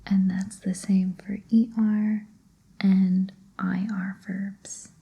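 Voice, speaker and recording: A woman whispering a Spanish grammar lesson, slow and patient, in a breathy ASMR style. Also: medium pitch, little pitch movement, warm tone. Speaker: Spanish tutor.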